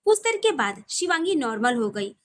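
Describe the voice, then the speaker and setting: A woman's voice: sits high, big pitch swings, normal speed, a little hiss or hum. A woman storyteller reading a scripted romantic story.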